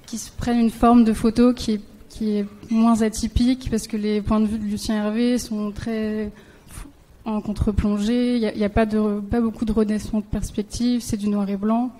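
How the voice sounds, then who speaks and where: A woman talks off the cuff in a round table discussion. Her tone is warm and relaxed, and her pitch stays quite even as she develops her point. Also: moderate pace. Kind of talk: spontaneous panel discussion.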